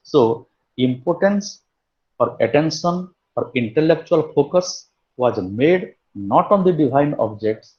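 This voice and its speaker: A man's voice: on the high side, expressive, takes it slowly, dull audio. A man giving an online literature lecture as a university lecturer, explaining point by point with frequent restarts. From India. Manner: explaining step by step, with many restarts.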